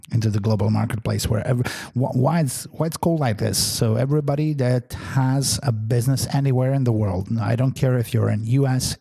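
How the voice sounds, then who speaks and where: A man with a Serbian accent, not a native English speaker, hosts his own podcast and talks in a casual, rambling way. His voice is mellow and darker than most, at a middle pitch. He restarts his sentences and fills the gaps as he goes. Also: breathy edge. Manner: chatty, loose, many fillers and restarts. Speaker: podcast host. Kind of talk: casual solo podcast talk.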